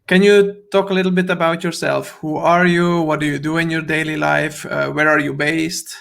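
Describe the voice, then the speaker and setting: A man's voice: on the high side, flat delivery, moderate pace, vocal fry, fairly bright tone, clear, resonant tone. A man hosting a live online show, greeting viewers and asking his guest short questions. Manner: friendly, asks short questions. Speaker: host. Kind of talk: livestream hosting.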